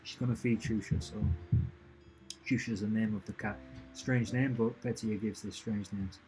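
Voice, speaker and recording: A man's voice: lowish voice, fairly even intonation, moderate pace, a little mellow, slight background noise, rough recording. A man hosting a casual live stream from home, chatting in a rambling, upbeat way and often restarting his sentences. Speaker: channel host answering live questions. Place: at home with family and a cat nearby.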